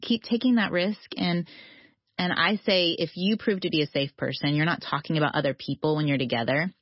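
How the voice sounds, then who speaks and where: A woman's voice: low-pitched, fairly even intonation, fairly quick, slightly rough, no room sound, dull audio. A woman author talking earnestly about motherhood and faith in an interview, laughing often and speeding up when she lists ideas. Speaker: author guest. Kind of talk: faith-based interview conversation.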